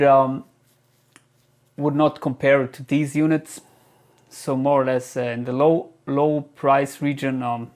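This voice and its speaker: A man giving a casual gear Q&A as a reviewer, speaking haltingly as he thinks aloud. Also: on the high side. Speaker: guitar gear reviewer answering viewer questions. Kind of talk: casual product Q&A talk.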